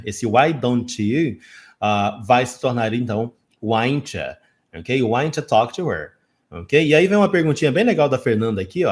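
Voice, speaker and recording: A Brazilian man with a Brazilian Portuguese accent gives an online English lesson from a small home studio. He talks at a mid pitch, animated and emphatic, and slows down to model English phrases. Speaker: English teacher.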